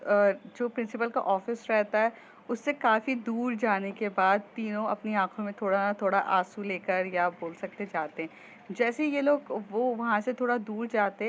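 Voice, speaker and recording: A woman's voice: mid-range voice, lo-fi sound, slight background noise. A woman narrating a romance story in a casual, conversational way for a storytelling podcast.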